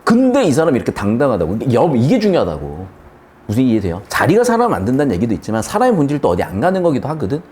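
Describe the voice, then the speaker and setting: Animated, blunt male language teacher. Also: medium pitch, racing, a little hiss or hum. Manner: animated, blunt, slangy and profane. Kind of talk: exam-prep literature lecture.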